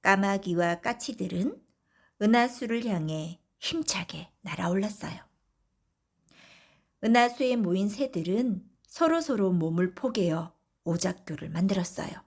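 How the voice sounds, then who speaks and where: A woman narrating folk tales for bedtime in a soft, often whispery, gentle voice. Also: mid-range voice, lively intonation, a little slow. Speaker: audiobook narrator.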